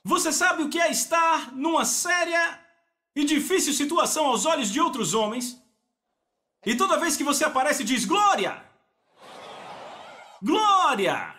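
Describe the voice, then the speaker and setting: High, bright-voiced male preacher. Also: slight background noise. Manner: emphatic, exclamatory preaching. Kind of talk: Pentecostal sermon.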